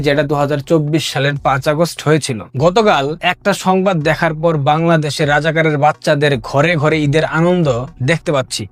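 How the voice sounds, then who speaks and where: A man delivering a fiery partisan political monologue, taunting his opponents and asking rhetorical questions. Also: on the high side. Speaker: political commentator.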